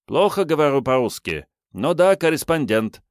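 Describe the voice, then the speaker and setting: A skinny young Swedish correspondent struggling through broken Russian in short, halting phrases, as a male narrator puts him on. His voice sits noticeably higher and a bit louder than the narrator's own, in a Swedish accent, recorded dry and close. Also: sing-song, dry recording.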